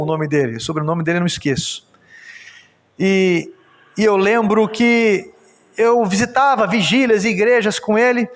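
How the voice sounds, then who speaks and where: A Brazilian pastor telling a testimony in a church service sermon, moving from storytelling to emphatic exhortation. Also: male voice, high-pitched. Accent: Brazilian Portuguese. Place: church sanctuary. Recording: church hall reverb.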